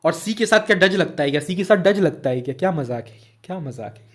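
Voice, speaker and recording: A man's voice: sits high, lively intonation, fast talker. A man teaching an exam-prep lesson, repeating every answer and checking in with students as he goes. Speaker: online tutor.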